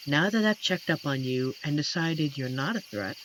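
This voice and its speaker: A performer voicing an amiable, shy werewolf forest protector in a roleplay audio drama, speaking gently and hesitantly with earnest pauses. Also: medium pitch, expressive, lightly acted. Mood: gentle, reserved. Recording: noisy track with night cricket ambience. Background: crickets and night forest insect ambience.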